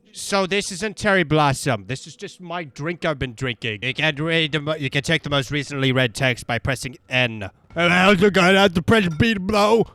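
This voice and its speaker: A man giving casual gameplay commentary in a rambling, irreverent, animated way. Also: medium pitch, clean tone, no room sound. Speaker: video game streamer.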